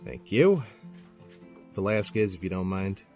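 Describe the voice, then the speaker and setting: A man's voice: deep voice, lively intonation, measured pace, a little mellow, faint music behind. An actor playing a courteous, self-assured male captain in a naturalistic audio drama, politely commanding. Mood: pleased, authoritative.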